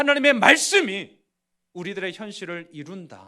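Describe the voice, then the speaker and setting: On a very clean recording with a silent background, a bright, sharp, animated voice moves at a moderate pace with very wide pitch swings. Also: man. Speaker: pastor. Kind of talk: sermon.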